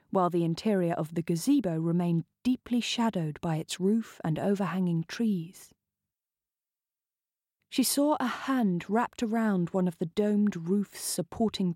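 Woman, novel reading, slow and unhurried, dry close sound. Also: mid-range voice, dark tone, no room sound. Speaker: reader. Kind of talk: scripted narration of a novel.

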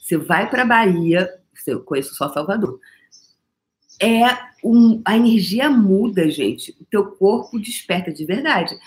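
A woman's voice: medium pitch, a little slow. Brazilian woman hosting a live stream, chatty and playful, lots of laughing, breaks into chant-like repeated lines. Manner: animated, playful, laughs often, repeats incantation-like phrases. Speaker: live stream host leading a workshop. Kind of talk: casual spiritual coaching live stream.

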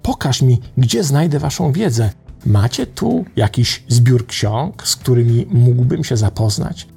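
A man voicing a calm, curious male space traveler made of light, speaking in a matter-of-fact way, as in a read-aloud parable. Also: mid-range voice, a little slow, creaky, slightly rough, faint music behind, heavily acted.

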